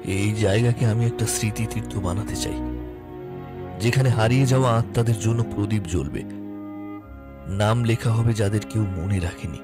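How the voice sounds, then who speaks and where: A man's voice: fairly low pitch, normal speed, long pauses, loud music behind the voice, close to an everyday voice. A man playing an earnest, resolute researcher in an audio drama, speaking in solemn declarations. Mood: solemn resolve. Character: earnest, resolute male researcher honoring lost souls.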